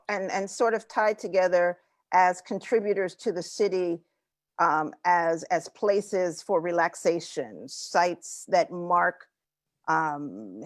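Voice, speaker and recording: A woman with a lowish voice moderates a panel, asking long, searching questions. She circles back on repeated words as she thinks aloud. The sound is close and dry. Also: no room sound. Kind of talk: panel discussion.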